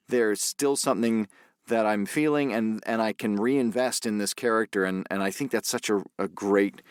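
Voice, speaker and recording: A man's voice: fairly low pitch, dry recording, studio quality. A man hosting a podcast interview, talking reflectively and often restarting his phrases. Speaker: podcast host. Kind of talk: casual interview chat.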